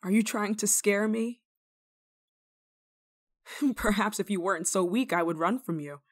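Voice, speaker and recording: A woman acts out a fearless village nun in an audio roleplay. Her mid-pitched voice is theatrical and scolding, with teasing turns and dramatic pauses. Beneath the sternness she is kind-hearted. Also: lightly acted. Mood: taunting, confident. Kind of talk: ASMR roleplay monologue, dramatic acting.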